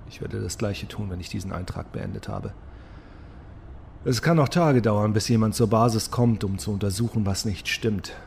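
A man's voice: on the low side, darkish tone, a little hiss or hum, close to an everyday voice. A man playing a sober, resigned scientist and project leader, dictating a formal, solemn log entry in an audio drama.

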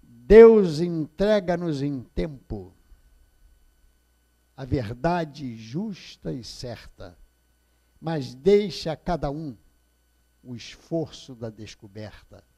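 A man's voice: fairly high pitch, animated, takes it slowly, pauses often, warm tone. An older man from Brazil with a Rio de Janeiro Portuguese accent, giving a public talk at a spiritist center and telling stories, often repeating key phrases and asking the audience questions, recorded by a far camera in a small indoor hall.

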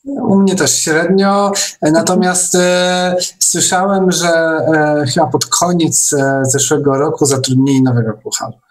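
A man's voice: on the high side, fairly even intonation, unhurried. A man hosting a casual online meeting, chatting with his guests. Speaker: host.

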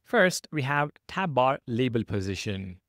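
Lively male coding tutorial instructor. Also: medium pitch, unhurried, dry recording, studio quality. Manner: clear, methodical, instructional. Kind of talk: step-by-step screencast tutorial narration.

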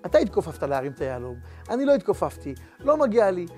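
A preacher voicing a hungry, repentant son. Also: male voice, sits high, sing-song, dark tone, faint music behind. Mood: pleading. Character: hungry repentant son, grown, once lazy.

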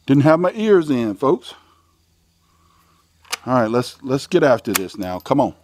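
A man's voice: mid-range voice, very animated, unhurried, a little mellow, a little hiss or hum. A middle-aged American man hosting a shooting video outdoors, commenting casually to viewers in a folksy, exclamatory way. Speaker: host of a shooting range video channel. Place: outdoors at a covered shooting range.

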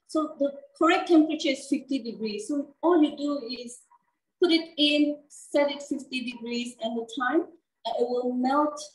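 A woman hosting a cooking demonstration, explaining each step casually with many fillers and frequent "okay?" checks. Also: a little high. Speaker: cooking show host. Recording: echoey room, mic at a distance.

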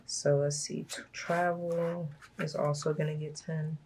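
A woman from Brooklyn, hoarse from a cold, chatting casually and laughing often as she talks through her budget. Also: low-pitched, flat delivery, unhurried, background noise. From Brooklyn, New York. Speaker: budgeting vlogger. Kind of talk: casual chat while stuffing cash envelopes.

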